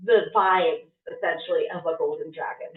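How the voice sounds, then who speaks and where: A woman's voice: sits low, fairly even intonation, moderate pace. A woman narrating a tabletop game as game master, hesitant with many ums and uhs. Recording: distant, echoey, phone-like audio.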